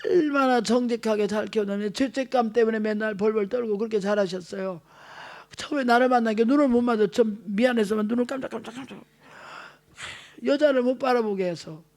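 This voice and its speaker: A woman's voice: on the high side, brisk, a little mellow. Korean lady evangelist in her 60s giving a sermon, earnest, keeps urging the church. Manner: earnest, exhorting, acts out quoted family talk. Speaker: evangelist preacher.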